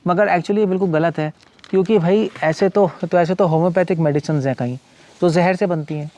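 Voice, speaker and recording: A man with a slightly high voice explains his points in a loose, conversational way. He keeps repeating words and starting sentences over. English terms slip into his everyday speech. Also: dark tone. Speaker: monk and former medical doctor giving a talk. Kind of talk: casual explanatory talk. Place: cow shelter owner speaking from his farm community.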